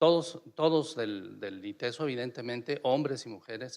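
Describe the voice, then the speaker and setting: This is a plain, everyday voice from a man at a medium pitch. He speaks at a fairly slow pace. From Mexico, Uruapan, Michoacán. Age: 60s. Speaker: researcher and university teacher. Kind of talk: conference presentation.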